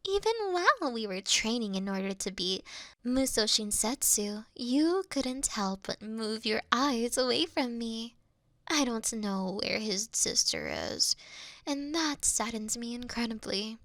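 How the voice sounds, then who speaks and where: A woman playing a mischievous, affectionate fox-spirit shrine priestess in an intimate roleplay, coy and teasing, often slipping into a breathy whisper. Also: on the high side, sing-song, unhurried, fairly bright tone, dry recording, studio quality, full character voice. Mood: tender, longing. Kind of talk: intimate roleplay ASMR acting.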